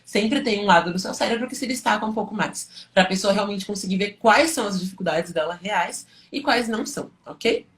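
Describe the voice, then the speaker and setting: Female Brazilian online tutor, mid-pitched, informal and didactic, posing questions and answering them herself. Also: brisk, hardly any pauses. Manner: conversational and didactic, asks and answers own questions, frequent check-in tags. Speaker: teacher and study coach hosting a livestream. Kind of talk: informal live lesson, explaining to students.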